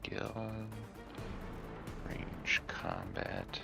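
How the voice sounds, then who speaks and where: A man's voice: low-pitched, huge pitch swings, very slow, gravelly, loud music behind the voice. A man playing a tabletop roleplaying game, talking casually as one of the players.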